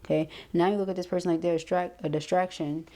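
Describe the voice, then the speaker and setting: Female tarot reader, lowish mellow voice, conversational delivery with frequent check-ins. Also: steady tone, quick pace. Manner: conversational, punctuated with frequent check-in tags like okay and right. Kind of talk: casual intuitive tarot reading to camera.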